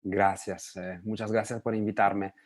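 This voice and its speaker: A man from Italy with an Italian accent, speaking Spanish as a second language in a video call interview, pausing often with fillers. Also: on the low side, flat delivery. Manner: hesitant, many pauses and fillers. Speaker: interview guest, lobbying association head.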